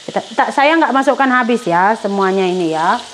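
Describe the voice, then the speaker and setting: A woman's voice: a little high, expressive, a little fast, a bit bright, slight background noise. Chatty middle-aged woman cooking. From Indonesia. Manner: chatty, addresses viewers as pemirsa. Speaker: cooking vlogger. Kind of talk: casual chat while cooking. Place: home kitchen.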